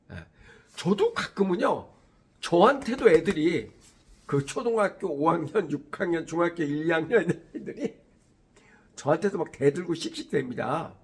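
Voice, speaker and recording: A man's voice: on the high side, slightly rough. A middle-aged man hosting a morning broadcast, talking animatedly and acting out quoted voices. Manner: animated, acts out quoted voices, frequent "예" fillers. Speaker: host.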